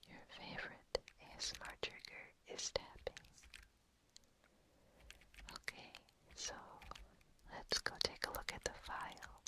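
A person giving a whispered ASMR programming lesson, softly and close to the listener's ear, as an instructor. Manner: soft unvoiced whisper throughout. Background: computer keyboard typing.

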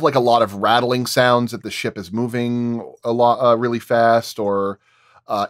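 A man's voice: mid-range voice, dry recording, clean studio sound. A man speaking as a sound designer on a panel, explaining his craft casually and in thoughtful detail.

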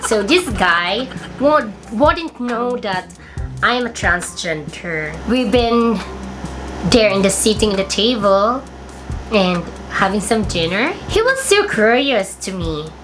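A young Filipino woman with a deep, husky voice and a Filipino accent, chatting playfully through a comedic makeup tutorial in her bedroom, talking to a camera at desk distance. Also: sing-song, slow pace, music in the background. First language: Tagalog. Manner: playful, bursts into song and laughter. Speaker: makeup vlogger. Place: bedroom, indoors.

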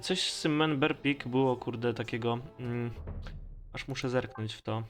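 A man's voice: medium pitch, unhurried, soft background music. A man with a Polish accent giving casual, slangy, mildly profane gaming commentary as host of a let's play. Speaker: gamer hosting a let's play series.

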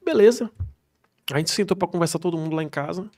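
A man who serves as a police soldier tells an emotional personal story as a podcast guest, speaking emphatically, swearing freely, and acting out the people he quotes. His voice is mellow, on the high side, and quick.

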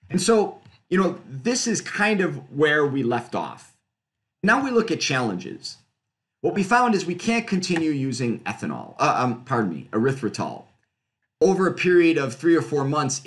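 A middle-aged man talks through his slides on a webcam video call from a room at home. His pitch moves a lot, rising and falling as he explains. He speaks casually, with fillers and quick self-corrections. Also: fairly bright tone. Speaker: physics researcher presenting.

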